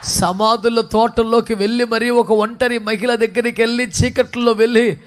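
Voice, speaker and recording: A man with a Telugu accent preaches a sermon in a strikingly high voice. He pleads softly, then rises into loud exhortation. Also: flat delivery, moderate pace, slight background noise. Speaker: pastor.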